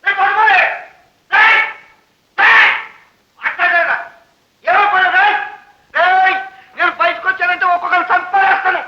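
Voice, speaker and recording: A man's voice: extremely high pitch, little pitch movement, moderate pace, long pauses. A blustering rich old father. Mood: raging. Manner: shouting, threatening, theatrical bluster. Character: blustering rich old man, loud and bossy. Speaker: wealthy father locked in his room. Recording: dull old film soundtrack.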